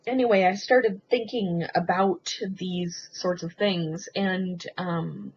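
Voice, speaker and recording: Hesitant low-voiced woman, muffled recording. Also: darkish tone. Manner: hesitant, halting, thinking aloud with frequent ums. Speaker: video blogger. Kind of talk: confessional solo vlog, casual rambling talk. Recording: muffled lo-fi sound with faint background noise.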